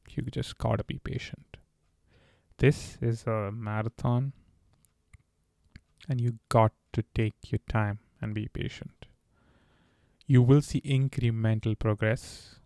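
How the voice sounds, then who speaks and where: A male podcast host gives earnest advice in candid solo talk, occasionally stammering on a word and restarting. His slightly mellow voice is gravelly with fry and stays level in pitch. The recording is close and dry, with no room sound.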